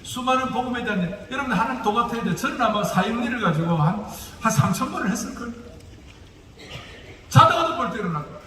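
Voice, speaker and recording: A man's voice: extremely high pitch, animated, fast, sharp tone. A male pastor with a Gyeongsang dialect gives a lecture-style sermon, joking and putting rhetorical questions to the audience. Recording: echoey hall, distant mic, noisy.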